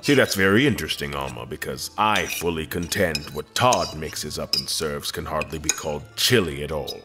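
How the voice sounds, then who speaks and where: An actor playing a dignified, reserved space admiral who speaks in formal, measured, articulate phrases in an audio drama. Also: male voice, a bass voice, expressive, music in the background. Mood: wry, friendly.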